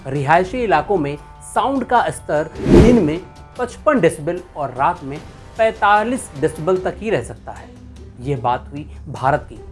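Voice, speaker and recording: News explainer presenter, Indian accent, medium pitch, reads from script over a music bed. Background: background music.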